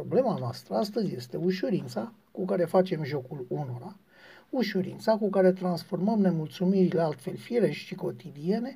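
The recording is very clean, with a silent background. Delivery comes at a moderate pace. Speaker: commentator. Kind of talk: scripted narration. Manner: formal.

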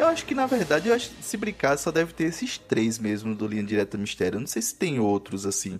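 A man speaks at a fairly quick pace. He leaves hardly any pauses. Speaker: podcast co-host. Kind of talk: casual chat.

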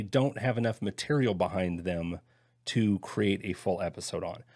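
A man with an American accent and a plain, everyday voice, at a moderate pace with lively intonation. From Southern California. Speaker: podcast host, former transportation manager. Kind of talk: casual chat.

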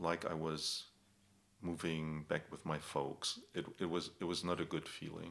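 A man with a German accent speaks at a fairly slow pace. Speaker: podcast host. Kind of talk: casual literary discussion.

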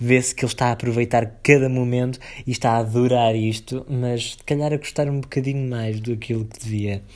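A man with a medium pitch speaks fairly quickly in a flat monotone. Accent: European Portuguese. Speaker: podcaster reviewing reality TV. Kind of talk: casual commentary monologue. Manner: hesitant, many filler sounds.

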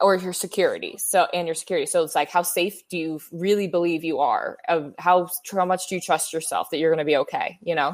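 A woman with a Californian accent talks at a fairly quick pace with hardly any pauses. Her fairly low voice keeps fairly even intonation. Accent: Californian American. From US, San Francisco Bay Area. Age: 20s. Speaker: digital designer. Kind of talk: casual interview chat.

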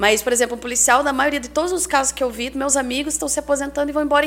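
A woman speaks in a high-pitched voice. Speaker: police officer and business partner. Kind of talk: podcast interview.

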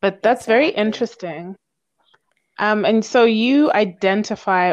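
A woman with an unremarkable speaking voice, ordinary pitch variation and a moderate pace. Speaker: podcast interviewer. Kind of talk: casual interview conversation.

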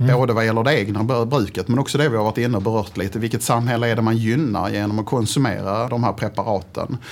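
Speaking very fast with hardly any pauses, a man keeps a medium pitch, fairly even intonation and very even loudness. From Helsingborg, Skåne, southern Sweden. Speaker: local politician, former police inspector. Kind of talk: interview.

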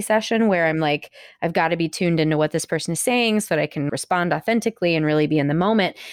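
In an unremarkable speaking voice, a woman talks at fairly low pitch with ordinary pitch variation, on a very clean recording with a silent background and a dry, close sound with no echo. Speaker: therapist and podcast host. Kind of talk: casual interview chat. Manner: chatty, laughs often.

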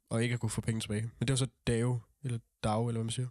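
Recorded with a dry, close sound and no echo, a man talks at a medium pitch. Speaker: podcast co-host. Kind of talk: casual chat.

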